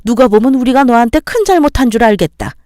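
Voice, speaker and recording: Greedy nagging mother-in-law, a woman putting her on, lower voice, bone dry audio. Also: animated, fast talker, dark tone, no room sound, close to an everyday voice. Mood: scolding. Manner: nagging, condescending lecturing.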